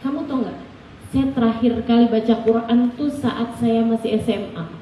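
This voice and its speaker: A woman preacher voicing her husband in a story, quiet and wondering. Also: a little high, moderate pace, heavy reverb, distant mic, a little hiss or hum, voice pushed down, lightly acted, low-quality recording. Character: her puzzled, gentle husband.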